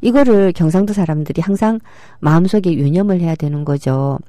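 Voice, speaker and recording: A woman's voice: fairly low pitch, brisk, dark tone, no echo, clean studio sound. A middle-aged woman giving a public lecture, explaining with rhetorical questions and acting out quoted speech.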